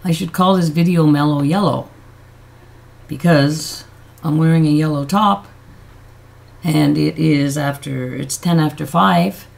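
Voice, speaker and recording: A woman with a deep, throaty voice chatting in a rambling, self-deprecating way on a casual beauty vlog; her voice has changed and she can't hit high notes. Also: creaky, darkish tone. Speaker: beauty vlogger.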